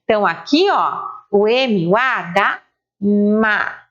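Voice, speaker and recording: Slow sing-song teacher woman, lo-fi. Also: medium pitch, expressive, fairly bright tone. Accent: Brazilian Portuguese. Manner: slow, sing-song syllable-by-syllable spelling, praising children. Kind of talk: online literacy lesson for young children.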